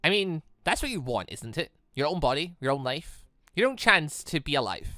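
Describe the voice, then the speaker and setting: Man voicing an earnest, animated young android girl. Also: fairly high pitch, no echo, studio quality, soft background music. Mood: pleading, reassuring. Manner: halting, stammering, emotional.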